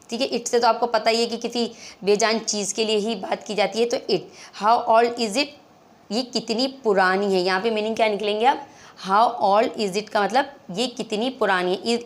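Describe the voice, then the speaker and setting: South Asian woman teaching, repeating and checking in. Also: medium pitch. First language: Hindi-Urdu. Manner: instructive, repetitive, with frequent check-ins. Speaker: English teacher. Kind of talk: spoken lesson explaining English questions in Hindi-Urdu.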